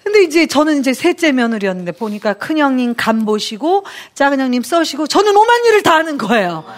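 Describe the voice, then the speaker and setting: A middle-aged woman gives a motivational talk as a coach, speaking in a high voice. Her pitch swoops widely as she tells her stories and acts out what people said. She laughs often as she goes. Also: fairly quick. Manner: lively storytelling, acts out quotes, laughs often.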